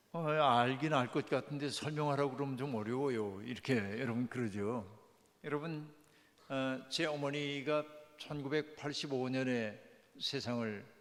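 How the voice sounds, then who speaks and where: Speaking at a fairly slow pace with long, frequent pauses, a man keeps his medium-pitched voice fairly even in intonation while the room echoes audibly. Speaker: pastor. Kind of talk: sermon. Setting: church revival meeting with congregation.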